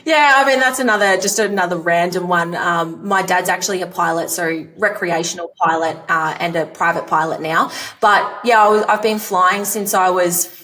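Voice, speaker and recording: A woman's voice: on the low side, moderate pace, pushed and bright, distant mic. A woman in her thirties from Australia with a rural Australian accent, a coach chatting as a podcast guest in an upbeat, explanatory way. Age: 30s. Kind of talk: podcast interview conversation.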